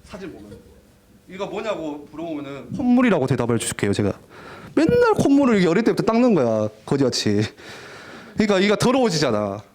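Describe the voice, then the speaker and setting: A young man gives a lively youth sermon to middle and high school students. His voice sits high and leaps around with wide swings. He tells stories with animation, mimicking teenagers as he goes. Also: fast talker. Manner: animated storytelling, acting out teen voices. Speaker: youth pastor.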